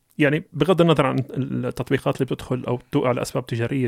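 A man's voice with vocal fry, at a fairly quick pace, in a dry, close sound with no echo. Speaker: podcast host. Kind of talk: casual interview chat.

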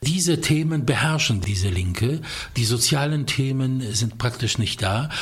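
A man with a medium-pitched voice talks at a very slow pace, his pitch varying in an ordinary way, with audible echo in the room. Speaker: radio host. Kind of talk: radio discussion programme. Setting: studio. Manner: formal.

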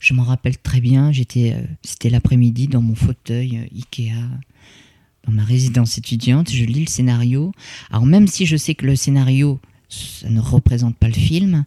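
A man's somewhat breathy voice, dark and mellow in tone, with ordinary pitch variation, a moderate pace and a dry, close sound with no echo. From France, Reims. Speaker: actor. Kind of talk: interview. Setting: at the host's home.

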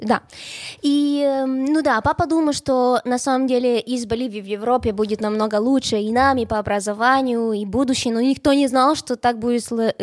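A woman talks at a moderate pace with a Spanish accent. Her pitch is high and her intonation fairly even. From Bolivia. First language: Spanish (speaking Russian). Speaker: singer. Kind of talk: casual chat.

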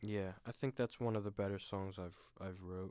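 This man has an American accent. His recording is very clean, and the background is silent. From New Jersey. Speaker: podcast host. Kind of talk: casual solo monologue. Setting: solo podcast recording. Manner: rambling, filler words, casual.

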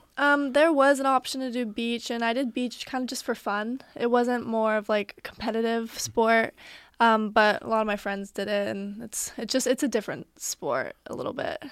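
In a very clean recording with a silent background, a woman with an American accent talks at a moderate pace in an unremarkable speaking voice, fairly high-pitched, with fairly even intonation and hardly any pauses. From California. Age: young. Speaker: college volleyball player. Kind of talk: casual interview.

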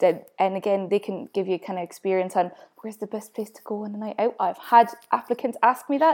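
This woman talks at a very fast pace. Her pitch is medium, with ordinary pitch variation. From not Scotland, moved to Aberdeen. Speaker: university lecturer. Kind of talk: casual interview chat. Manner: relaxed, friendly.

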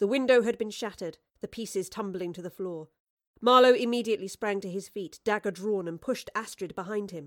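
In plain reading aloud with ordinary pitch variation, the background stays quiet.

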